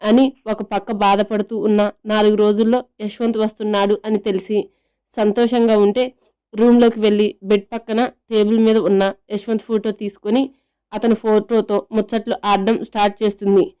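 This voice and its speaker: A woman storyteller who reads a scripted story in a steady, even way. Her voice is clear and smooth, with a dark, mellow tone. Her pitch stays flat and narrow. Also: moderate pace.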